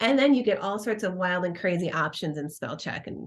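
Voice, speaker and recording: A woman with an American accent talks at a moderate pace. Her pitch is medium and her intonation lively. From US Midwest, Wisconsin. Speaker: literacy curriculum author. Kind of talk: casual chat.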